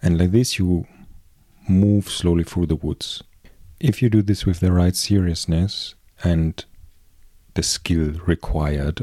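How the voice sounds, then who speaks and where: Low-voiced German-accented man. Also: dark tone, no room sound, clean studio sound. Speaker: podcast host. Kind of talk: calm reflective podcast talk, reading aloud and commenting.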